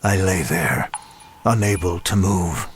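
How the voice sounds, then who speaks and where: A man playing a broken, self-loathing demon who narrates a horror audio drama in a grave, measured way. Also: sits low, animated, a little hiss or hum. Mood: weary anguish. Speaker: first-person narrator.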